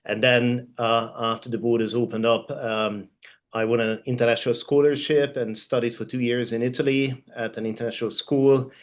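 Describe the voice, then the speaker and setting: A middle-aged man with a Hungarian accent speaks formally and hesitantly, in a measured way, as a panelist. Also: medium pitch, little pitch movement. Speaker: panelist, law firm partner. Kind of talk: panel discussion, career account. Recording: dull, muffled lo-fi sound.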